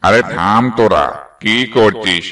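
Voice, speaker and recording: A man voicing a gruff, paternal tiger elder in a cartoon, commanding in manner. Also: on the low side, a little slow, pushed and bright, distant mic. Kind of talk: cartoon character acting.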